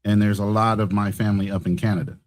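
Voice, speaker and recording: A man's voice: on the low side, flat delivery, quick pace. A man hosting a casual online panel, talking guests through how to share the link. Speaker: panel host.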